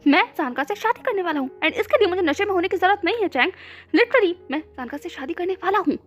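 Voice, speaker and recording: A man's voice: extremely high pitch, expressive, fast, fairly bright tone, soft background music, pitched above the performer's own voice. A woman voicing a lovestruck young male CEO who pleads and hurries his words. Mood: insistent.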